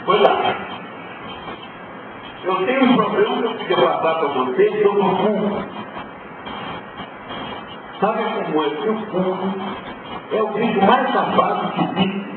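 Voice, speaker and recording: A provocative male lecturer with a fairly high voice, pressing his students with emphatic rhetorical questions. He is heard from far off in a big hall with a long, heavy echo, through a thin, phone-like recording with loud ambience behind him. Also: lively intonation, measured pace, long pauses, noisy background. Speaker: teacher. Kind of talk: spiritual lecture to a class.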